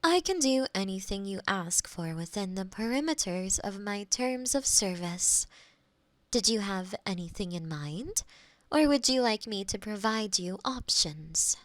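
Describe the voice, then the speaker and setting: Woman playing a slow, measured AI girlfriend companion. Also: mid-range voice, expressive, no room sound, lightly acted. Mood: polite, helpful. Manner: formal, measured, robotically helpful. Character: polite female AI girlfriend companion, literal, eager to please. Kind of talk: scripted roleplay audio, ASMR. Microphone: close binaural microphone.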